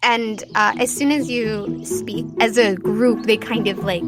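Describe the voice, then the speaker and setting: A woman runs a tabletop roleplaying game, improvising narration in a chatty, descriptive style and pausing often to set the scene. Her voice is a little high with fairly even intonation, and music plays behind her.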